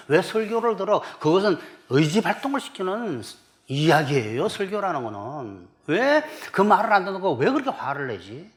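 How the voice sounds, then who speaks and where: Emphatic Korean pastor preaching. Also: male voice, high voice. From South Korea. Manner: emphatic, rhetorical questions to the congregation. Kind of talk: sermon.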